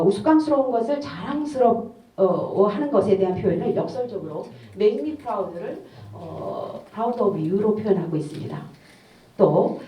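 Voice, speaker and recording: A middle-aged woman giving a formal academic discussion at a conference, measured and hesitant, with frequent fillers. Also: medium pitch, mellow. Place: conference hall. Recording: echoey hall, distant muffled mic.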